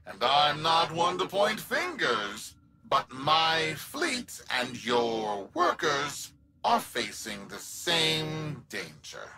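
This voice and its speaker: An actor playing a vain, scheming merchant tycoon in a video game, pompous, oily and melodramatic. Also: male voice, on the high side, heavily acted. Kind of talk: video game villain dialogue. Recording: loud music behind.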